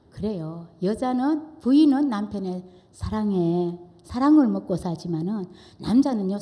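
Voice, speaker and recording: A middle-aged woman preaching a testimony sermon, telling her story with big swings from hushed to loud. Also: on the high side. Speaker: guest preacher. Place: church sanctuary. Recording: echoey church hall.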